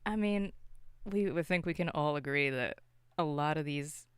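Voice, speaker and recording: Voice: mid-range voice, normal speed, a bit bright, clear, resonant tone, dry recording, clean studio sound. A podcast co-host chatting casually about films in a slangy, exclamatory way.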